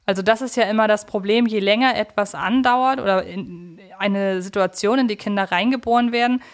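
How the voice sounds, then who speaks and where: Briskly and with a medium-pitched voice, a podcast co-host in her thirties reflects out loud during a conversational discussion. Her sentences run long and winding as she works through her thoughts.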